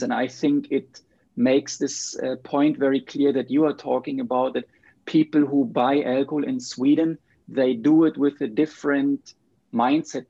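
A male interviewer with a German accent speaks in a mellow, gravelly voice, measured and conversational. The audio is dry and a little dull. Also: mid-range voice, dry recording. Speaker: interviewer, host.

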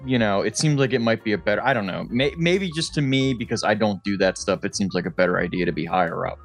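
A man's voice: lowish voice, fast talker, creaky, faint music behind. An American man co-hosting a podcast, telling stories in a casual, comedic way, swearing freely and laughing as he talks. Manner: laughs while talking, swears freely, jokey storytelling. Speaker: podcast co-host.

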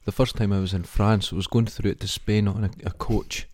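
A man's voice: on the low side, fairly even intonation, brisk, darkish tone. A middle-aged Scottish man from Dundee hosting a casual podcast, wry and self-deprecating, laughing often. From Dundee, Scotland. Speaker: podcast host. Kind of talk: casual comedic chat.

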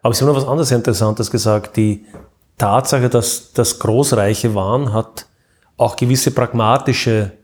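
A man's voice: medium pitch, moderate pace, darkish tone. A man hosting an interview, politely summarizing the guest's points and asking follow-up questions.

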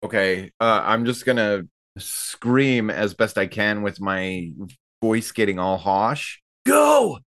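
A man playing a tabletop roleplaying game, chatting casually in a loud, excitable manner. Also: lowish voice, slow, no echo. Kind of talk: casual in-character game chat.

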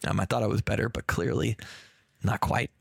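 A man co-hosting a casual gaming podcast, hoarse and losing his voice from being sick, rambling through his points with lots of fillers. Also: lowish voice, fairly even intonation, a little fast, no room sound, clean studio sound. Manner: rambling, filler-heavy, says y'all. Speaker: podcast co-host.

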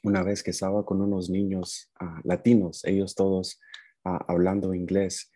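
A young man from Nicaragua, raised partly in the United States, talking casually as a podcast guest and often pausing to find his words. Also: low-pitched, level tone, warm tone. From Nicaragua, moved to the United States at seven. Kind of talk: casual conversational storytelling.

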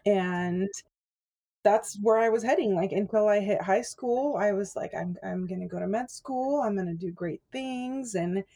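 Woman, native spanish speaker, interview guest, chatty, laughs often, mid pitch. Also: unhurried, mellow. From California. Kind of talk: casual interview chat.

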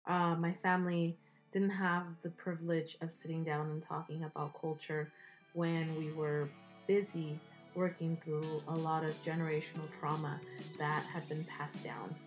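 A woman's voice: low voice, little pitch movement, normal speed, soft background music, poor audio. A woman who is a writer and singer, speaking earnestly to camera about a project close to her heart. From Salvadoran heritage.

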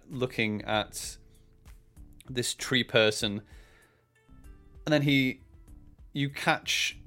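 A man working as game master, improvising descriptive narration for a tabletop game with hesitant pauses mid-phrase. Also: mid-range voice, fairly bright tone.

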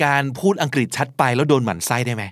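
A man's voice: mid-range voice, expressive, racing, fairly bright tone, no echo, studio quality. A man hosting a talk show about English usage, talking in a casual, slangy, explanatory way with emphatic asides. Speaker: podcast host teaching English.

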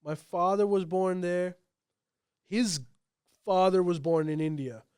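A man from Pakistan, a native Urdu speaker, co-hosting a casual podcast. His voice is fairly high for a man and smooth, and it sits close and dry on the mic. He explains at length in loose, informal runs. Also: slow, darkish tone, dry recording. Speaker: podcast co-host.

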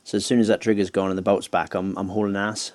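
Brief: man, low mellow voice, dry close sound, easygoing podcast interviewer. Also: level tone, no echo. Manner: easygoing, chuckles often, quick agreeing. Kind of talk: casual podcast chat.

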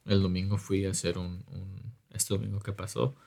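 A man with a Chicano accent chatting casually, switching between Spanish and English in a halting, slangy, profane way. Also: deep voice, flat delivery, vocal fry, mellow. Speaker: photographer.

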